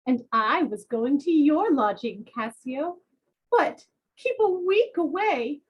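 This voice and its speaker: A woman's voice: high voice, lively intonation, takes it slowly. A woman reading the part of a lovesick, reproachful young mistress in Shakespearean verse, languid and complaining. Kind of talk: Shakespeare read-aloud, dramatic verse. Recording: dull lo-fi sound.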